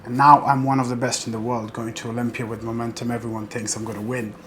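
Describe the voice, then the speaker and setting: A man's voice: medium pitch, flat delivery, quick pace, fairly bright tone, slight background noise. A man from Afghanistan, a professional bodybuilder, telling his life story in an earnest, determined interview monologue.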